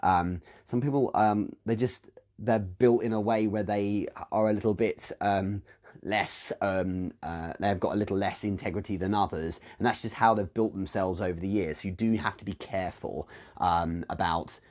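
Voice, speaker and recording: A man's voice: sits low, steady tone, normal speed, a little mellow. A British man hosting a live question-and-answer stream, thinking aloud with frequent restarts and self-corrections. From United Kingdom. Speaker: host answering business questions.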